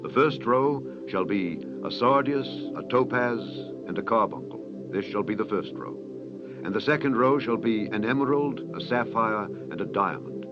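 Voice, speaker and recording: A low-pitched male narrator reads scripture in a solemn, formal way. His phrasing is measured and declamatory. The recording is slightly dull and lo-fi, with music clearly playing behind him. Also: animated. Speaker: audiobook narrator reading scripture. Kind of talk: solemn scripted Bible reading. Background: clear background music.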